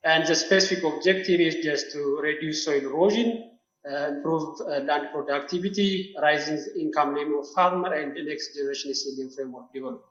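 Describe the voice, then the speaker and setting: Male academic from Ethiopia presenting research remotely; hesitant delivery, fairly high pitch, roomy muffled sound. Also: a bit bright. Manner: halting, many fillers and restarts. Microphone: video call. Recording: echoey, dull online call audio.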